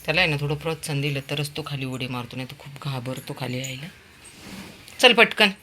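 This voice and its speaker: A woman's voice: extremely low pitch, steady tone, quick pace, a bit bright, slight background noise. A woman narrating a casual home vlog, coaxing her dog with repeated urgings. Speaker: pet dog owner and vlogger.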